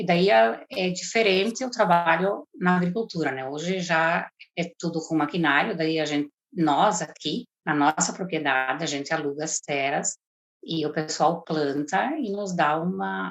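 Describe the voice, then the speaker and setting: Fairly low in pitch, this woman has lively intonation. She talks at a fairly slow pace. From Brazil, rural Rio Grande do Sul (Erechim). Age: 60s. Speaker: retired farmer, therapy client. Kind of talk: interview testimony. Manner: halting, repeats words.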